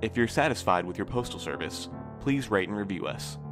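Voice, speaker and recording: Deep-voiced man over guitar music. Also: expressive, a little fast. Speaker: podcast closing announcer. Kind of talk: scripted outro narration. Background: plucked guitar music.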